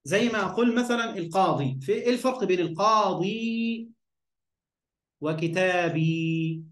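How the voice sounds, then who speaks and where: A man with an Egyptian accent gives an online grammar lesson in a fairly high voice. He keeps asking his class questions, fills in the answers himself, and checks they follow. His voice rings in an echoey room. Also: normal speed. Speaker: Arabic grammar teacher.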